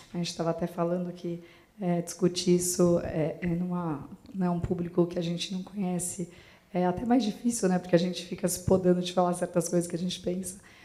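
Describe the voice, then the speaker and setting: Fairly quick, monotone, flat delivery from a woman with a fairly low pitch and a dark, mellow tone. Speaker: finance executive, panelist. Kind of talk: panel talk. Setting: event with audience.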